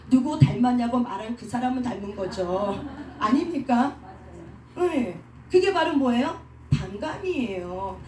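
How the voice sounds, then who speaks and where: A woman's voice: fairly high pitch, darkish tone. A woman pastor giving a sermon-style teaching, asking the listeners questions and answering them herself, and acting out the quoted speech of others. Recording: roomy sound from a distance with faint noise.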